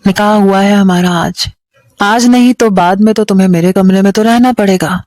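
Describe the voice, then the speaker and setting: A woman's voice: medium pitch, fairly even intonation, darkish tone, no room sound, clean studio sound, lightly acted. A woman with a Pakistani Urdu accent voicing a bitter, defiant young man who speaks in a cold, taunting way.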